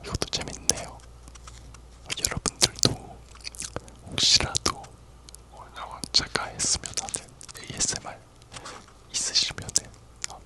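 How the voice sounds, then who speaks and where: A person whispering a casual, rambling ASMR chat in a soft, unvoiced whisper. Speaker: ASMR video creator.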